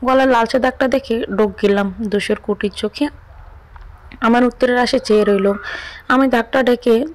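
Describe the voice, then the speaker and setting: A woman's voice: a little high, fairly even intonation, moderate pace. A young woman narrating a scripted first-person audio story expressively.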